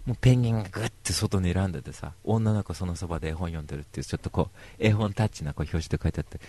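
A man's voice: deep voice, racing, dark tone. A man giving a casual, rambling book review, wry and self-mocking.

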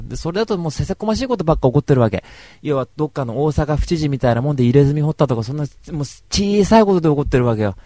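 A man's voice: mid-range voice, a little mellow, dry recording. A man giving a casual, rambling book review, wry and self-mocking.

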